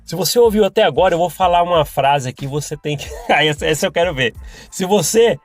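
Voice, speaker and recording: A man's voice: a little high, fast talker, faint music behind. A Brazilian man hosting a podcast and talking casually, rambling with restarts and chuckles. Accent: Brazilian Portuguese. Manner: chatty, rambling, with frequent restarts and laughs. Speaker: podcast host.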